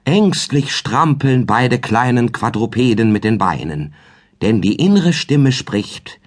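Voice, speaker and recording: A man recites a comic rhyming tale for an audiobook, his husky voice rising and falling in wide, lively swoops. He takes an unhurried, measured pace and keeps a sing-song verse rhythm throughout. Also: mid-range voice. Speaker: audiobook narrator.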